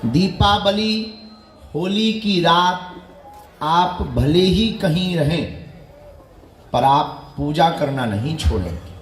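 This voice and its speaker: Slow, echoing male spiritual teacher. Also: on the high side, a little hiss or hum. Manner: slow, measured, repeating rhetorical questions. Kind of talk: devotional sermon with spiritual instructions.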